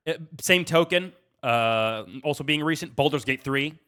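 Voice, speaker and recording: A man's voice: a little high, moderate pace, pushed and bright, smooth. A man co-hosting a gaming podcast, talking in a casual, informal discussion style.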